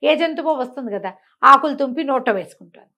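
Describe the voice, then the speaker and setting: A woman with a somewhat high voice narrates a comic folk tale. She tells it in a chatty, animated manner, circling back over phrases as she goes. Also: fast talker. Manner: conversational, repeats phrases and acts out dialogue. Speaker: storyteller.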